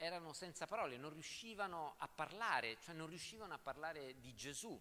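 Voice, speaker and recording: A man talks with a slight Roman accent in a bright, sharp tone at a moderate pace. His voice is fairly high and swings very widely in pitch. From Italy, Turin. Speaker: preacher. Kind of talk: sermon.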